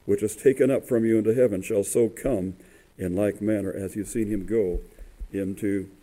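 A man preaching a sermon in a church, his voice rough, often halting with fillers and restarts. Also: lowish voice, fairly even intonation, dark tone, low-quality recording. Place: church sanctuary.

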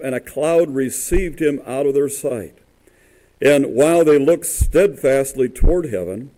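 A man preaching a sermon in a church, his voice rough, often halting with fillers and restarts. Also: mid-range voice, warm tone, poor audio. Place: church sanctuary.

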